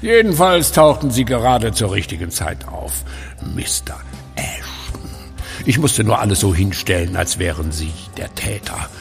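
An actor playing a sadistic werewolf clinic director in a horror audio drama, with a gravelly voice and a theatrical, mockingly polite manner. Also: male voice, fairly low pitch, big pitch swings, unhurried, faint music behind, heavily acted. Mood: gloating.

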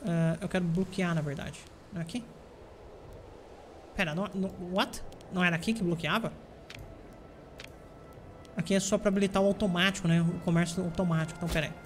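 Soft music plays behind this man's high-pitched, steady voice as he speaks a little fast with long pauses. He's a streamer with a Brazilian Portuguese accent, casually commenting on a strategy game to himself and his audience and occasionally getting exasperated.

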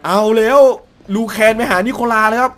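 A young man hosting a let's play, commenting on the action and translating the game's dialogue, excitable and full of exclamations during fights. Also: very high voice, brisk, soft background music. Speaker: gaming channel host.

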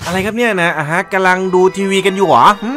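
A man narrating an anime recap in a chatty, playful way, jumping into quick character lines. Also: high voice. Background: background music.

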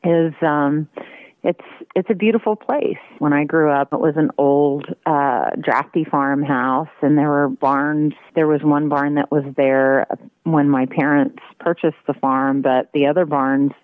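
A woman from Southern Illinois, a guest author, telling stories in a relaxed, casual way with frequent laughter. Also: deep voice, measured pace, no echo, narrow, tinny audio. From Southern Illinois, USA. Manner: laughs often, relaxed storytelling. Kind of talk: casual interview.

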